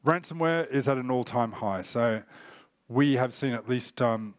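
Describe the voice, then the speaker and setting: A man's voice: medium pitch, measured pace, no echo, studio quality. A man in his forties, getting over a cold and coughing now and then, giving a conference keynote from a stage in a loose, explanatory way. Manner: loose spoken presentation with fillers, explanatory. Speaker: keynote speaker on cyber threat intelligence.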